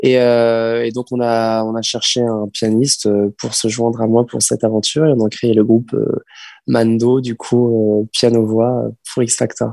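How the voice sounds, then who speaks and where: A man speaks at a fairly slow pace in a medium-pitched voice with a dark, mellow tone and flat, monotone intonation. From Rouen, Normandy, France. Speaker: singer and architect. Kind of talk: interview answers, casual. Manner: casual, hesitant.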